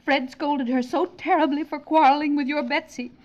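Aktorka grająca przepraszającą, zatroskaną sąsiadkę i matkę w komediowym słuchowisku radiowym z lat 50. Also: female voice, sits high, fairly even intonation, normal speed, natural voice. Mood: frantic. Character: apologetic, anxious, fretful neighbor housewife and mother. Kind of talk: 1950s radio comedy acting. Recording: dull 1950s radio recording.

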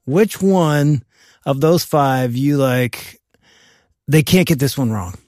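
A man co-hosting a radio talk show, joking and chatting in a playful, excitable way. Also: mid-range voice, takes it slowly, no room sound, studio quality. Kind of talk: casual studio chat.

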